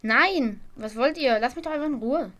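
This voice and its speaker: A woman's voice: sits high, normal speed, fairly bright tone, no echo. A woman playing a bullied Jewish schoolboy, hurt and pleading, in an amateur audio drama. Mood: protesting.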